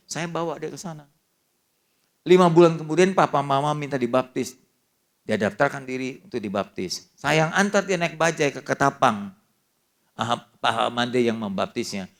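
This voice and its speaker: An older pastor with a mid-range voice preaches a sermon, telling a family story in a lively way peppered with casual slang.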